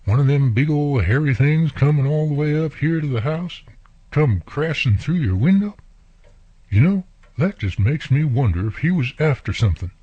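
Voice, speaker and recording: A man's voice: on the high side, expressive, moderate pace, mellow, husky, no echo. An actor playing a friendly, plainspoken country handyman neighbor with an American country accent, talking folksily in a radio drama. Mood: chatty, amazed. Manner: folksy, colloquial, drawling turns of phrase. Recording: muffled, lo-fi audio.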